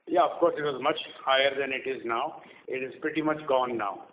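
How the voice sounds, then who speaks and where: Heard over a narrow, noisy conference phone line, a male executive responds brusquely and dismissively to earnings call questions. His voice is medium-pitched and brisk.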